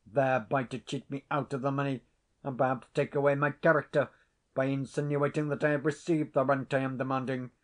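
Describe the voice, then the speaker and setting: A man voicing a stern, cold Scottish laird who speaks in a measured, commanding way. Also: medium pitch, close to an everyday voice.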